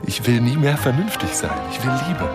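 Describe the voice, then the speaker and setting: A man's voice: mid-range voice, very animated, normal speed, close to an everyday voice. Lonely lovestruck man over music acted. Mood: desperate longing. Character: lonely male astronomer, lovestruck yet mistrustful, yearning. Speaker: actor. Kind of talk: German radio drama acting. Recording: music behind the voice.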